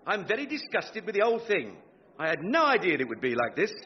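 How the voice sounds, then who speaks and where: A man's voice: high-pitched, wildly swooping pitch, fast. A man playing a pompous, indignant, gloomy election candidate in an English-accented radio sitcom. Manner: pompous, theatrical. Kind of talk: British radio sitcom acting before an audience. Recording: dull recording with loud audience noise.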